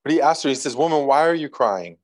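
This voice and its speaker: A man's voice: fairly high pitch, animated, quick pace, low-quality recording. Conversational male pastor preaching. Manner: conversational, reads scripture aloud, lightly joking. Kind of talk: sermon.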